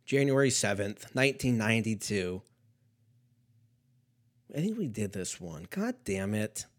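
A man in his thirties talking alone on a comedy podcast in a loose, rambling way. He swears freely and slips into muttered asides, then jumps back up to loud, punchy quips. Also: fairly low pitch, big pitch swings, measured pace. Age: 30s. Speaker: podcast host. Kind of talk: casual solo comedic rant.

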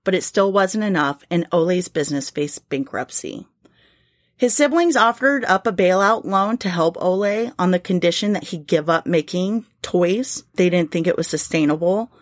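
A woman's voice: fairly low pitch, lively intonation, normal speed, no room sound, clean studio sound. A woman hosting a podcast, telling a history story in a casual, chatty way, now and then swearing and laughing. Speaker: podcast host.

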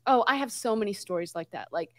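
Animated middle-aged woman telling stories. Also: medium pitch, fast, crowd noise. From Puerto Rico background, grew up in the US. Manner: expressive, acts out quotes, mixes in Spanish words. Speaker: guest. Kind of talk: animated conversational storytelling.

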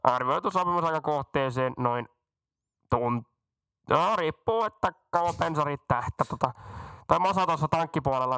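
Man playing a rambling airline captain, bright smooth announcer voice, deadpan, dry close sound. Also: mid-range voice, no echo. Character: bumbling boastful male airline captain. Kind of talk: comedy sketch.

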